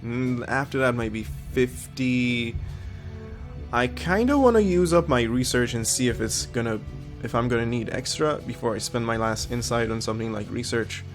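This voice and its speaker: At a moderate pace, with faint music behind him, a gaming video host in a mid-range voice gives casual let's-play commentary. Slightly sniffly from a cold, he reads game text aloud and muses to himself, often saying um.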